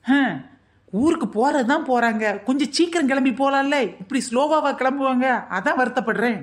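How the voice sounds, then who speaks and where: Cheeky cartoon daughter-in-law, a woman acting it, young, slightly high, sweet pleading excuses. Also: fairly quick, a little hiss or hum, lightly acted. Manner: pleading, innocent-sounding excuses.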